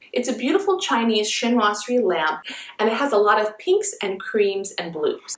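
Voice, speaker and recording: A woman talks at a moderate tempo, and audible room echo surrounds her. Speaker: vlogger. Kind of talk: casual vlog chat. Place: home room.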